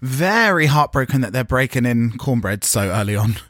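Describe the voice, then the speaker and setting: A man's voice: medium pitch, expressive, moderate pace, fairly bright tone, dry recording, clean studio sound. A man co-hosting a podcast, chatting casually and catty about a TV show, with plenty of fillers and strong opinions. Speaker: podcast co-host. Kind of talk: casual chat reviewing a TV show.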